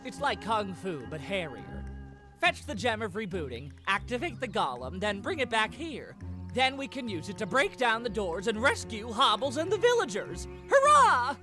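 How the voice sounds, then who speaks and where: An actor playing a flamboyant, melodramatic, effete wizard with a theatrical, swooning manner in a comic fantasy game. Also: male voice, sits high, big pitch swings, normal speed, over music. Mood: fussy, dramatic. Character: flamboyant, melodramatic, effete male wizard mourning his stolen familiar.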